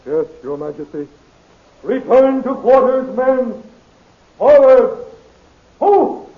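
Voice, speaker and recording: A man's voice: very high-pitched, big pitch swings, slow pace, heavily acted. An actor playing a dutiful, deferential captain of a queen's guard in a 1930s radio serial, speaking in a declamatory way. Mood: barking orders. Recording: tinny, narrow 1930s radio recording.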